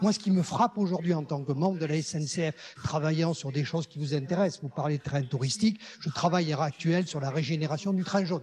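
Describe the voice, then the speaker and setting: Speaking at a very fast pace with hardly any pauses, a man talks in a fairly high pitch. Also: ordinary pitch variation. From southwest France, Arcachon basin. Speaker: railway company employee, seminar participant. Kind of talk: academic seminar discussion. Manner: hesitant, repeats words.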